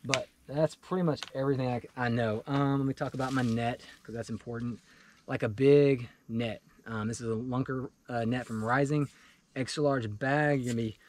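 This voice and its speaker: Chatty man explaining fishing gear outdoors. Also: mid-range voice. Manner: relaxed and chatty, many fillers and restarts. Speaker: fly fishing vlogger. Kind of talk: casual gear walkthrough. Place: outdoors in a wooded clearing beside a pickup truck.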